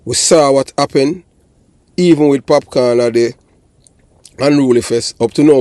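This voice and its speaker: A man's voice: medium pitch, mellow, dry recording. An older man with a Jamaican accent giving blunt, emphatic political commentary as a channel host, often checking that listeners follow. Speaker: channel host and commentator, former police officer.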